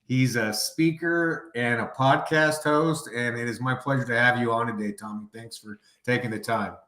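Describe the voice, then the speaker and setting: A man's voice: mid-range voice, fairly even intonation, moderate pace, sharp tone. A man hosting a podcast interview in a conversational style. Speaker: podcast host. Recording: echoey, roomy sound.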